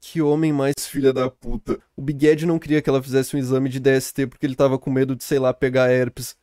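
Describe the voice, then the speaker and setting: A man's voice: mid-range voice, flat delivery, quick pace, mellow, no room sound, studio quality. A man narrating a commentary video in a sarcastic, mocking tone, swearing freely. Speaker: commentary youtuber.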